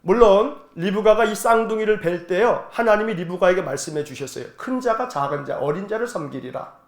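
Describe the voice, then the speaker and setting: A man preaching a sermon as pastor, telling the story in lively colloquial speech and leading the congregation in repeating lines. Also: high voice. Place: church sanctuary. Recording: echoey church sanctuary.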